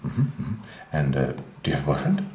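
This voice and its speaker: A nosy middle-aged private investigator, low-voiced and swinging widely in pitch. He hums and hesitates between questions. The room around him sounds roomy. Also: huge pitch swings, warm tone, heavily acted. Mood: curious. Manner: hesitant, fills pauses with hums and uhs. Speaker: actor in a teaching drama. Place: small office set, indoors.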